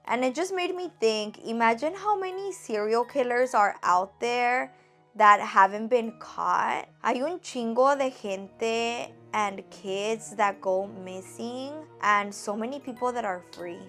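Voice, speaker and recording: Woman, high bright voice, casual storyteller, slangy swearing, bilingual code-switching. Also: measured pace, faint music behind. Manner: slangy, swearing, switches between English and Spanish. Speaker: vlogger narrating and reacting to creepy phone call recordings.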